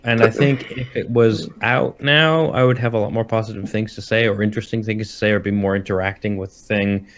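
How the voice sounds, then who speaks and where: A man with a fairly low voice and fairly even intonation talks casually about games. As host he explains things haltingly, often reworking his sentences as he goes.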